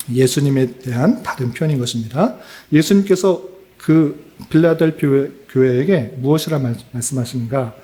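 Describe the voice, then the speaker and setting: A male pastor preaching a Bible exposition at a church prayer meeting. He puts questions to the congregation, answers them himself, and fills his pauses with short "ye" and "e" sounds. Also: mid-range voice, mellow.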